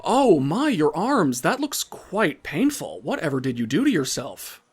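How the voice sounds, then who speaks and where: A man's voice: fairly high pitch, huge pitch swings, a little slow, breathy edge, heavily acted. A man playing a smug, taunting loan shark in an audio drama, with oily, condescending politeness and coy mock formality. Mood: mock concern, gloating.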